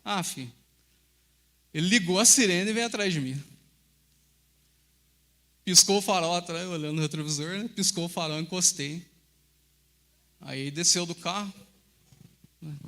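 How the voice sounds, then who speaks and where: A man's voice: sits high, sharp tone. A middle-aged Brazilian man, a pastor, telling personal stories in a sermon and often addressing the congregation as brothers. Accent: Brazilian Portuguese.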